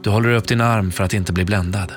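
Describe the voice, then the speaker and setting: Deep-voiced man narrating a dramatic story. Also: steady tone. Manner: slow, hushed dramatic storytelling. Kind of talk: second-person scripted audio story narration. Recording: narration over clear background music. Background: music.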